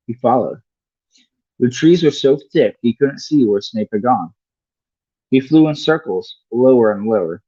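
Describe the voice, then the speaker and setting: A man's voice: mid-range voice, a little mellow, dry recording, lo-fi sound. A man reading a story aloud as a livestream host, now and then stumbling over a word and correcting himself. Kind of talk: read-along audiobook narration.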